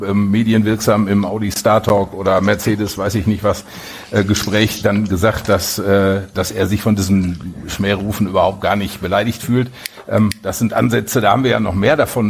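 A man's voice: on the low side, darkish tone, breathy edge. A man talking as a lawyer in a conversational discussion, explaining at length in a discursive way. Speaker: lawyer, podcast guest.

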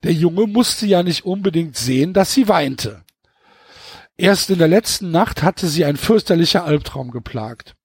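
A man's voice: fairly high pitch, lively intonation, measured pace, slightly rough, no echo, clean studio sound. A man hosting a podcast, reading a novel aloud and breaking off for mocking comments, stumbling over his words. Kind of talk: casual reading with mocking asides.

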